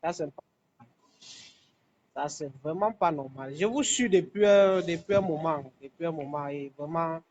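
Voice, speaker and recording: Man, caller, quite high voice, faint background ambience, hesitant, repeats himself. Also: moderate pace, a little mellow, lo-fi sound, a little hiss or hum. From Cameroon, anglophone South-West. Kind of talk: phone-in call to live stream. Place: construction site.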